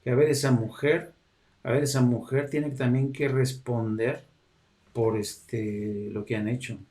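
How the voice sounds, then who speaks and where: A man's voice: medium pitch, steady tone, unhurried, mellow. Male host, loose rambling commentary, roomy echo. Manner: rambling, many fillers. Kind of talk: casual live commentary.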